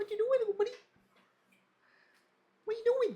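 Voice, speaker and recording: This put-on character voice is squeaky and extremely high, delivered at a fairly quick pace in a monotone, flat intonation. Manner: affectionate, playful.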